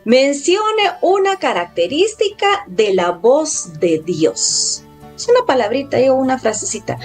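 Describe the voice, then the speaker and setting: A woman hosts a radio call-in show, talking straight to her listeners in an upbeat, promotional way. Her voice is high and animated, swinging widely in pitch. Faint music runs underneath. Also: a little slow. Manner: lively, promotional, addresses listeners directly.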